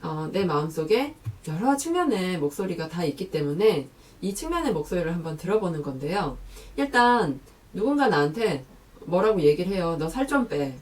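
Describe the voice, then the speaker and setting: A woman giving psychology advice to camera, lively, who acts out the remarks she quotes. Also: on the low side, moderate pace, recorded from a distance.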